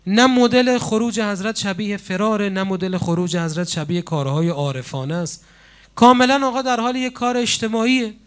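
A man preaching a sermon with passion, pausing for drama and swinging suddenly between loud and quiet. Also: high voice, smooth. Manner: impassioned, with dramatic pauses and sudden swings in loudness. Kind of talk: religious sermon.

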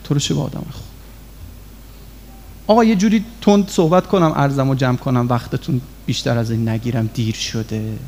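A man's voice: mid-range voice, a little mellow. A man preaching an emotional religious sermon, pleading with and speaking straight to his congregation. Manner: fervent, pleading, addressing listeners directly.

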